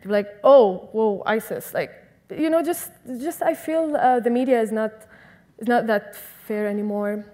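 Young woman, impassioned, mellow darkish voice. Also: on the high side, unhurried. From Syria. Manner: earnest and impassioned. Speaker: interview guest. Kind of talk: conversational interview.

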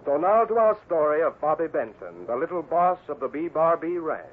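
A man's voice: fairly high pitch, very animated, a little fast. A man announcing and narrating a scripted story in the style of mid-century radio. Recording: tinny old radio recording, faint hiss.

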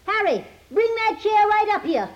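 An actress playing an indignant, bossy wife with a brusque, haranguing manner, in a 1950s radio comedy. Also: female voice, very high voice, very animated, normal speed, lo-fi sound.

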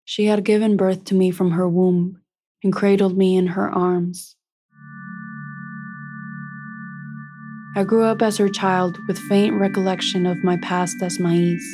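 A woman voicing an earnest young maize plant reborn as a human, narrating a first-person story in a deliberate, emotive way. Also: on the low side, little pitch movement, lightly acted. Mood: reflective. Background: music.

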